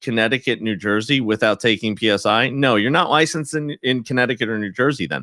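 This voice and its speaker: With ordinary pitch variation, a man talks in an unremarkable speaking voice. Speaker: real estate exam tutor, youtuber. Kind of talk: live stream Q&A. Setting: live video stream. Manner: conversational, many fillers.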